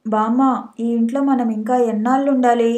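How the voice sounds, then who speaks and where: A woman's voice: on the high side, fairly even intonation, normal speed, dark tone, lightly acted. Proud young heroine, as a woman narrator reads her. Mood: upset. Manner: indignant, insistent. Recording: echoey room.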